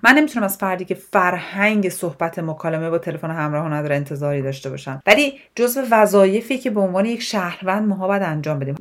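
A young woman from Iran speaks as a life coach in her own podcast. Her voice sits a little low, and her delivery is direct and animated. She keeps firing rhetorical questions at the listener. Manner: animated, direct, asks rhetorical questions and mixes in English words. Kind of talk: solo advice podcast monologue.

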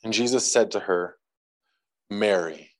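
A man's voice: on the low side, a little slow, low-quality recording. A man preaching a casual, conversational sermon to a congregation, reading scripture aloud and adding light jokes. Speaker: pastor.

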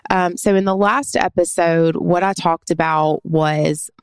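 A congested woman with a head cold talks into a close mic as she hosts her podcast. Her lowish voice is a touch raspy and gravelly, yet smooth underneath, and the sound is dry and near. She rambles earnestly, looping back and restarting her thoughts. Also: fairly even intonation, measured pace, no echo. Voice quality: slightly raspy. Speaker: podcast host. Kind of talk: casual solo podcast talk.

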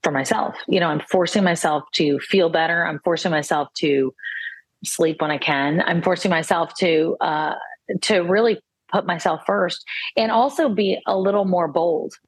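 A woman's voice: fairly low pitch, moderate pace, breathy edge, dry recording. A woman in her fifties, a guest talking about herself in a reflective, earnest way, restarting her sentences often. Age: 50s. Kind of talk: casual conversation.

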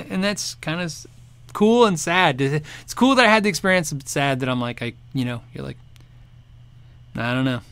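A man's voice: a little high, expressive, normal speed, pauses often, fairly bright tone, clear, resonant tone, no room sound. A man hosting a guitar show, chatting casually and answering viewer questions, rambling and restarting sentences and laughing often. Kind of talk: casual live chat.

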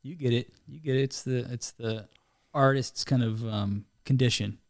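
A man guesting on a podcast as a filmmaker, chatting in an animated, self-deprecating way. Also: medium pitch, normal speed, no echo, clean studio sound. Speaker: film director guest. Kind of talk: casual chat.

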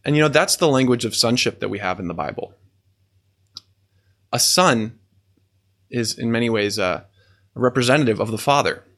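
A man's voice: medium pitch, animated, moderate pace, long pauses, a bit bright. A man hosting a faith podcast, reading listener comments and responding with earnest, awed exclamations. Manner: earnest, exclaims in awe and wonder. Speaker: podcast host.

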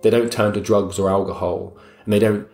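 A man's voice: fairly low pitch, steady tone, fairly quick, darkish tone, soft background music. A young man giving a blunt, motivational talk straight to the listener, swearing casually and calling him mate. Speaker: motivational speaker. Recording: roomy echo.

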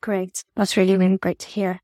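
A woman's voice: mid-range voice, monotone, a little fast, dark tone, no echo, clean studio sound. A woman from Wales hosting an interview, asking questions and affirming answers encouragingly. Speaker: podcast host.

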